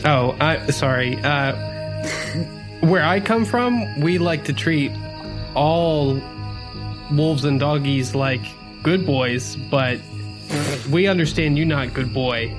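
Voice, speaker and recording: A man's voice: a little high, slow, long pauses, music in the background, low-quality recording. A man playing a tabletop game, improvising casually in character with a hesitant, good-humored manner.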